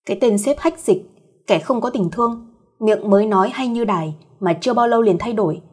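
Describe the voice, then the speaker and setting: A woman's voice: medium pitch, a little fast, darkish tone, husky, natural voice. Woman acting a feisty young female employee, storyteller style. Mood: grumbling. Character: feisty young female employee, grumbling yet polite to boss. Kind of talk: acted dialogue in an audio story.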